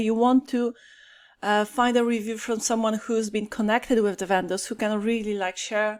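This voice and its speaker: A woman with a Polish accent speaks with fairly even intonation on a very clean recording with a silent background. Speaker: affiliate marketer reviewing software. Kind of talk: screen-share product review. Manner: casual, chatty with fillers.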